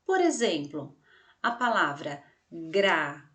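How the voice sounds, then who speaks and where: A woman teacher with a Brazilian Portuguese accent, leading a lesson for children and drawing out syllables slowly. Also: mid-range voice, very animated. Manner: slow, drawn-out stressed syllables; addresses the class warmly with questions. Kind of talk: remote class lesson for children.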